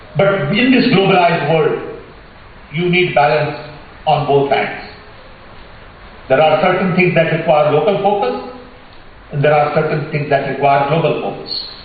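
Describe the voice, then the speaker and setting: A man with a fairly high pitch speaks at a moderate pace, with ordinary pitch variation and long, frequent pauses. Noticeable background noise and audible room echo fill the recording. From India (Orissa, raised in Gujarat). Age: 70s. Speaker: conference speaker. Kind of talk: keynote speech.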